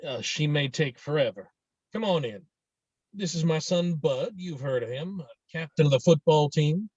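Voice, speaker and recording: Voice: mid-range voice, lively intonation, normal speed, darkish tone, husky, no echo. An actor voicing a blustering, domineering middle-aged father in a screenplay table read, over muffled call audio. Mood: hearty, gruff.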